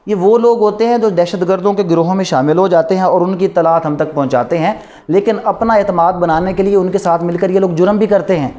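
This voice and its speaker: High-voiced Pakistani man lecturing on law. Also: a little mellow, highs cut off. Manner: didactic, asks rhetorical questions and answers them himself.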